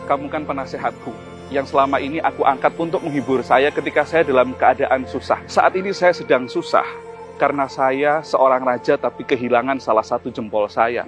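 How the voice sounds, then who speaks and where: Brief: fussy, quick-tempered king, told by a male preacher, pitched up, complaining, faint music behind. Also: close to an everyday voice. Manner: complaining, indignant. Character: fretful king, hurt and quick to anger.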